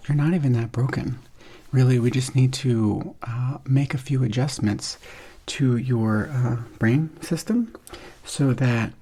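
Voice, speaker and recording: A soft-spoken man doing an ASMR roleplay in an unhurried, reassuring manner. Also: medium pitch, breathy edge. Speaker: ASMR performer playing a substitute surgeon.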